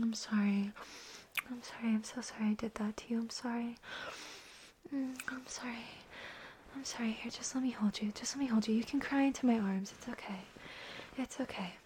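A woman's voice: a little high, a little hiss or hum, natural voice. A woman whispering as an anxious, apologetic young woman. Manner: hushed whispering, repetitive soothing. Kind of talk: whispered audio roleplay.

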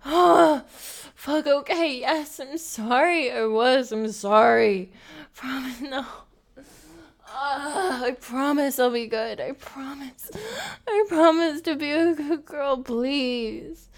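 A bratty young gamer girl with a very high voice, as a woman acts her out. She drawls slowly and lazily, drops gamer slang, and turns breathless in an adult audio roleplay. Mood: pleading, hushed.

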